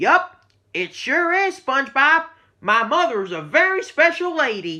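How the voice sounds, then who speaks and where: Using a put-on character voice, a female-sounding speaker talks in a raised, projected voice. Her pitch is high and her pace fairly slow. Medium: read story. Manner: folksy, spirited.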